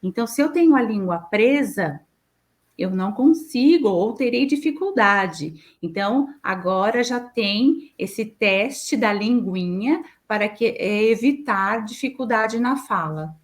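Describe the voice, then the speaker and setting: A woman's voice: mid-range voice, animated, a little slow. Brazilian woman explaining patiently. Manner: patient, explains with examples and acted quotes. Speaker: speech therapist guest. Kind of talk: explanatory interview talk.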